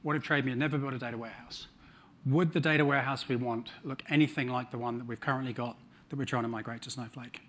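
A man's voice: medium pitch, steady tone, fast, fairly bright tone. A middle-aged man with a New Zealand accent giving a conference talk on a large stage, with dry humor and frequent ums. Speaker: conference speaker.

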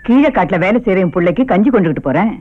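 A woman's voice: medium pitch, expressive, racing, narrow, tinny audio, lightly acted. An actress playing a tender, devoted older village mother. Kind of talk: film drama dialogue.

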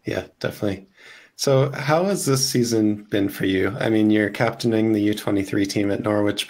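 A man in his thirties hosting an interview over a video call from his home office, talking with energy. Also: on the low side. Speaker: host. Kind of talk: upbeat interview host, reads sponsor ad.

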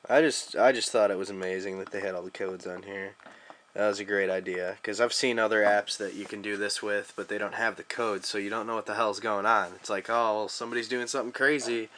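A man's voice: on the low side, steady tone, a little fast, fairly bright tone. A young American man giving a casual, slangy, joking app demo as a video reviewer.

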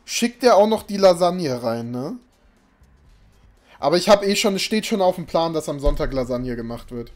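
A man's voice: fairly high pitch, lively intonation, normal speed. A young man live-streaming a game at home, chatting casually and rambling to his viewers, sometimes breaking into exasperated outbursts. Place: small room indoors. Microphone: desk mic, webcam in a home room. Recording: faint game music behind.

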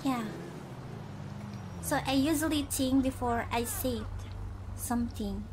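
A young woman from Indonesia chatting casually while gaming on stream, halting and searching for words, often giggling. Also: high voice, a little mellow, a little hiss or hum. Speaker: virtual streamer.

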